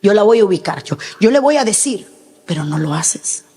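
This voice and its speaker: A woman's voice: mid-range voice, big pitch swings, a little fast, dark tone. A woman pastor preaching a sermon with emphatic delivery, now and then acting out the voices she quotes. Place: large church hall. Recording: reverberant hall.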